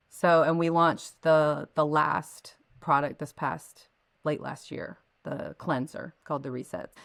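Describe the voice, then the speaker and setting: On a very clean recording with a silent background, a woman with an American accent talks with fairly even intonation. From Texas. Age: middle-aged. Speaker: entrepreneur. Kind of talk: interview.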